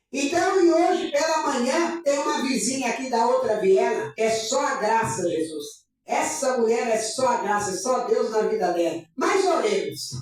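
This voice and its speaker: A woman with a high pitch speaks at a fairly slow pace, her pitch swinging very widely while her loudness stays very even, with audible room echo and music in the background. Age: 60s. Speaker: pastor. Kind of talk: sermon.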